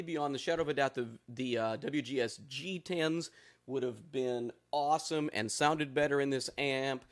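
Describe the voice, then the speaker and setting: A man hosting a casual guitar amp demo, talking in a playful, folksy way from the floor of a room full of amps. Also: medium pitch. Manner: folksy, playful, drawling asides. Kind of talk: casual joking gear demo. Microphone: instrument mics on amps, voice faint.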